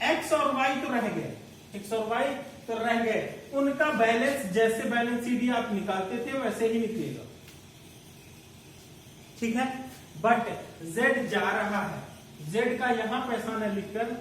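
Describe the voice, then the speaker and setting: A commerce teacher with a very high, slightly bright voice gives an accounting lecture step by step, calling his students "beta." The mic is distant in a very echoey room, with faint noise.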